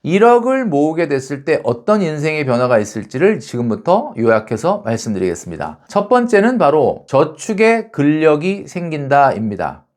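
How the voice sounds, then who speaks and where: A middle-aged man talks through a money lesson, his voice sitting a little high and swinging widely in pitch. He explains in tidy, measured steps, like a trainer coaching his viewers on saving. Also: very animated, a little mellow. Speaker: money trainer hosting a finance channel. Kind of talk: scripted finance lecture to camera.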